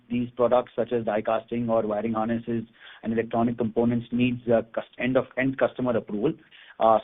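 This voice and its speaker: A man with an Indian accent answering as a company executive on an earnings call, in halting, measured business talk. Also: mid-range voice. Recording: phone-like conference call line.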